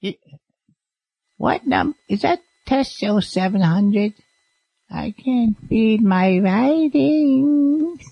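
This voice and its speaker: A female-sounding voice puts on a character voice at a fairly high pitch. She speaks at a very slow pace, leaving long, frequent pauses. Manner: frail, confused.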